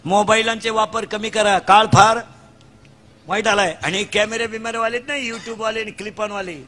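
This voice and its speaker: A middle-aged man from Maharashtra delivering a comic devotional sermon. He tells stories fast, acts out the characters and shouts the punchlines. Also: high voice, fairly even intonation. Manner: rapid storytelling, acting out characters, shouting punchlines. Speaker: kirtan preacher.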